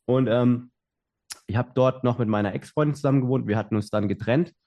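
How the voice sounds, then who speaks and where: A man's voice: medium pitch, a little fast, dark tone. A young adult man, a podcast guest, telling his story in casual talk with many fillers and restarts.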